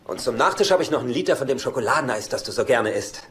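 A man acting a sly, animated smooth-talking uncle. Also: mid-range voice, rapid-fire, a little hiss or hum, natural voice. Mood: coaxing. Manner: wheedling, glib, sly. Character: smooth womanizing bachelor uncle, pushy, sly and playful. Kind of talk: dubbed sitcom acting.

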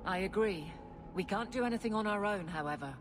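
An actress playing a resolute, urgent guard captain in a fantasy game, earnest and commanding. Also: female voice, mid-range voice, animated, fairly quick, close to an everyday voice. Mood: urgent, stern. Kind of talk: scripted fantasy game dialogue.

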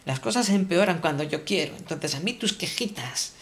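A man's voice: a little high, lively intonation, moderate pace, fairly bright tone. A man playing a petulant, vain god. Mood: irritated. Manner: irritable, rambling, insulting. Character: petulant, vain male god, easily annoyed.

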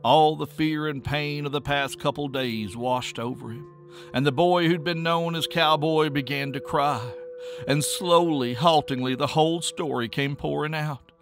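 Gravelly man telling a story. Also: a little high, over music. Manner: slow, measured folksy storytelling. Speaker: narrator. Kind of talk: scripted horror storytelling podcast narration.

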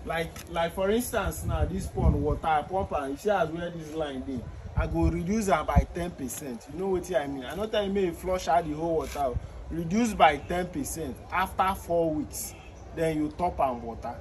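A man's voice: a little high, moderate pace, low-quality recording. A man in his thirties with a Nigerian Pidgin English accent, a fish farmer explaining the steps outdoors beside his fish tanks and repeating the key points. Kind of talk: outdoor farming tutorial. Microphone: phone camera at a short distance. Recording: outdoor phone video with noticeable ambient noise.

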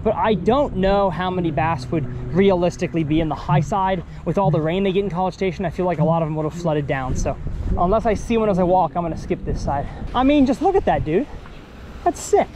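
Chatty high-voiced man outdoors. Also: animated, a little fast. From Texas. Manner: upbeat, chatty, thinking aloud while fishing. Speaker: fishing vlogger. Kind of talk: casual fishing vlog commentary. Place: outdoors by a campus pond. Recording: outdoor recording with faint ambient noise.

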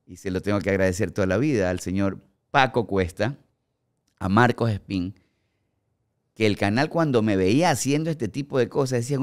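Deep-voiced Ecuadorian man telling stories. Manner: animated storyteller acting out quoted remarks. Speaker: guest actor and impressionist. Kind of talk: casual podcast storytelling. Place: podcast studio with armchairs. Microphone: studio mic on boom arm, headphones.

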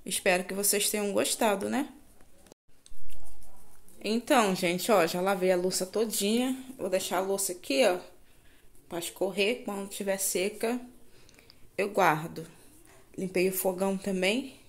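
A woman with a Brazilian Portuguese accent narrates a casual home vlog from her kitchen and yard, talking to viewers like friends and often asking them to agree. Her mid-range voice moves at a measured pace with long pauses. It's a noisy recording made on a handheld phone.

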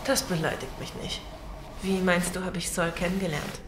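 A woman's voice: on the low side, fairly even intonation, normal speed, close to an everyday voice. Actress doing shameless scheming woman, audio drama, cynical, echoey with noise behind. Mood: cynical, defiant. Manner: cynical, unashamed. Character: brazen, scheming, ambitious woman. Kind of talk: German audio drama acting. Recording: echoey room, clear background noise.

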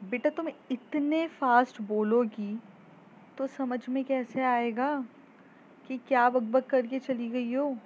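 A woman's voice: high-pitched, steady tone, slow, darkish tone. A woman voicing a worried, insistent middle-aged mother who scolds and coaxes. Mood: coaxing. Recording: muffled lo-fi with faint noise.

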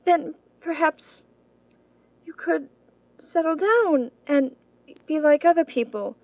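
A woman's voice: sits high, slow, no room sound, lo-fi sound. A woman playing an inquisitive society sweetheart who frets over her hero, in a 1930s-style radio drama. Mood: concerned, pleading.

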